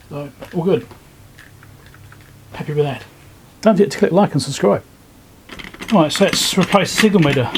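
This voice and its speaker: Man narrating a repair, noisy background. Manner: low-key, thinking aloud step by step. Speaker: electronics repair video host. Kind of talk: casual hands-on commentary while working. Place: indoor repair workbench.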